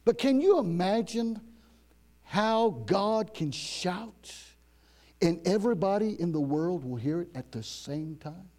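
High-voiced preacher, emphatic. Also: male voice, lively intonation, slow, darkish tone. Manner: preaching with rising, emphatic repetition. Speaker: pastor. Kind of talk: sermon. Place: church.

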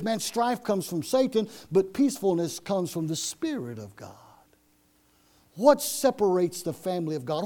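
A middle-aged male pastor preaching a sermon in a church, loud and high-energy, repeating words as he drives each point home. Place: church sanctuary. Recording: steady electrical hum and noise.

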